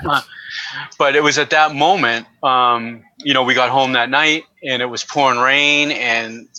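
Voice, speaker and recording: Speaking fairly slowly with a New England accent, a man keeps a medium pitch and fairly even intonation. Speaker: entrepreneur, stroke survivor. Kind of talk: interview answer.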